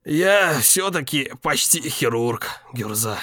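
Man voicing a dying young man, slow, strained, lifted pitch, lively rise and fall. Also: no echo, studio quality, heavily acted. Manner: slow, strained, breaking into coughs. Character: dying young man, wounded, bitterly tender. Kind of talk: audiobook character voice.

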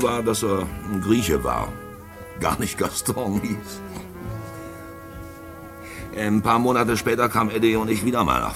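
An actor in a German radio play playing a shady, boastful, sentimental black-market profiteer, expressive and swinging between musing and outbursts. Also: male voice, lowish voice. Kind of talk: German radio play acting with first-person narration.

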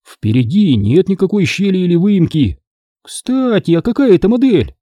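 A man voicing an excitable, quick-tempered girl in a storybook reading. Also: high-pitched, no echo, studio quality, pitched above the performer's own voice. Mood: frustrated.

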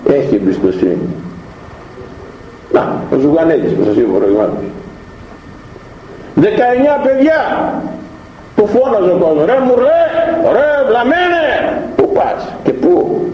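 A man preaching a sermon, who tells stories and often jumps up into high voices to act out what people said. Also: pauses often. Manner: animated, jumps to high pitch when acting out voices. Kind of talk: sermon on scripture. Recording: echoey dull room recording with faint noise.

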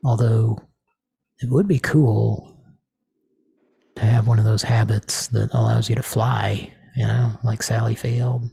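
A man hosting a casual comedy talk show, rambling with deadpan crude jokes. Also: lowish voice, measured pace, gravelly, husky, no room sound. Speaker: host.

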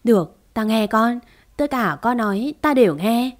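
A woman's voice: a little high, animated, moderate pace, natural voice. A woman reading the part of a bitter middle-aged steward who speaks harshly and accusingly. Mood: yielding.

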